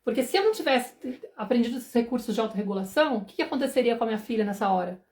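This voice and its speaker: Woman in her forties, parenting mentor on a live stream; rapid, slightly high voice, chatty, acts out worried inner voices. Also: expressive, darkish tone. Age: 40s. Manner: fast, conversational, often asks "entendeu?"; acts out anxious inner thoughts.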